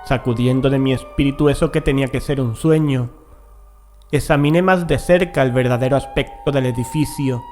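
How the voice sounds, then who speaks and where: A man reading a gothic horror tale as an audiobook narrator, in a measured, deliberate manner with dramatic pauses. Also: medium pitch, a little mellow. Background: music.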